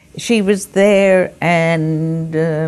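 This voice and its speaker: This woman's pitch is fairly low. Her intonation stays fairly even. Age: 80s+. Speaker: artist and potter. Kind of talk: interview answer. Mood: reflective, warm reminiscing.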